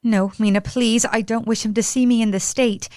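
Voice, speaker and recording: An actress playing a frail young woman who sleepwalks, speaking softly in formal period English in a radio play. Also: a little high, steady tone, moderate pace, no echo, clean studio sound, close to an everyday voice. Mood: dreamy dread. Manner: soft, earnest, period-formal speech.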